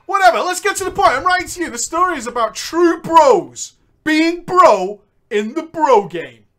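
Hosting a comedic show, this man reads out stories from viewers and trades banter with a co-host, laughing a lot and lurching from loud outbursts to quiet asides. His voice is extremely high and sing-song, at a normal speed.

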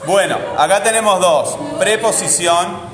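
A man's voice: on the high side, animated, unhurried, over music. A man teaching a grammar lesson, asking his students questions and often answering them himself. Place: classroom. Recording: echoey room with long reverb, faint ambience.

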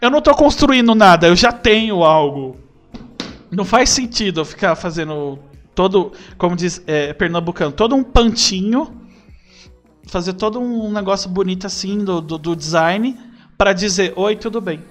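A young Brazilian man chatting as a podcast guest, animated and acting out bits of dialogue. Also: high-pitched, normal speed, faint music behind. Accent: Brazilian Portuguese. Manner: animated, acts out quoted dialogue. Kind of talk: casual chat.

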